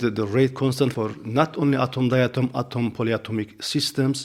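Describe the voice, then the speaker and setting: A man with a Turkish accent, medium pitch and a fairly quick pace. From eastern Turkey. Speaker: visiting professor. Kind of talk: interview.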